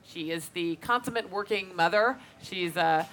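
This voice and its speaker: A woman, a filmmaker on a panel, answering audience questions fluently and warmly, with small "uh" fillers. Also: lowish voice, moderate pace, a little hiss or hum. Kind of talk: live Q&A answers.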